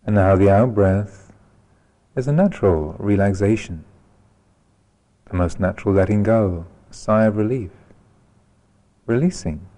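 A man teaching a guided meditation in a calm, gentle, unhurried way, leaving long pauses between phrases. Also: lowish voice.

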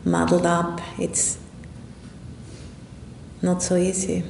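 Woman leading a meditation, even soft-toned mellow voice with some creak, pauses a lot, echoey room w faint rumble. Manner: unhurried and reflective, with long pauses. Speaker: Buddhist nun and meditation teacher. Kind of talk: guided meditation talk. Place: indoor room at a retreat center. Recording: roomy echo, faint rumbling background noise.

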